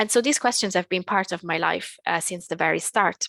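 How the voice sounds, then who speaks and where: This woman talks with an Italian accent, showing vocal fry, a medium pitch and ordinary pitch variation, in a dry, close recording with no echo. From Italy, Rome. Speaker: linguist and lecturer. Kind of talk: webinar lecture.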